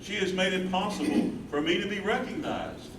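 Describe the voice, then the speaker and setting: Guy as a tender older caregiver husband in a play, lightish pitch, roomy far-off mic. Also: normal speed, close to an everyday voice. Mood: tender, devoted. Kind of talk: staged reading of a play. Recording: roomy distant stage mic, loud noise.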